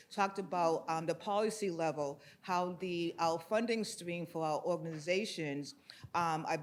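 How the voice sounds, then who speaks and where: A man in the audience with a somewhat high voice who talks loudly and informally. He rambles through his points and laughs easily, holding a microphone in a conference room. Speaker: audience participant. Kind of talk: audience comment in a workshop. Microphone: handheld microphone.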